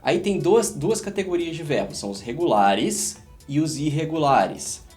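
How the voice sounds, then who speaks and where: A man's voice: fairly high pitch, sing-song, moderate pace, a little mellow, soft background music. A man with a Brazilian Portuguese accent, an English teacher explaining grammar in a casual, joking way and talking straight to his viewers. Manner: chatty, joking, addresses viewers as "gente".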